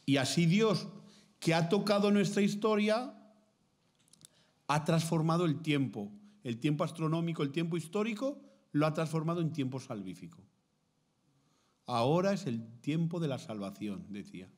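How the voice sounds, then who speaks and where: In a seminary lecture hall, a priest and theology lecturer from Spain gives a formative talk to contemplative nuns in a fairly high voice at moderate pace. He tells lively stories with acted-out quotes and checks in with listeners through frequent "¿mm?"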